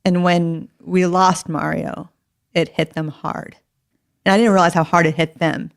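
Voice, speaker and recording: A woman co-hosting a podcast, earnest in casual chat and quick with jokes. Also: fairly low pitch, flat delivery, creaky, dry recording, clean studio sound. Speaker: podcast co-host. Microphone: podcast studio mic.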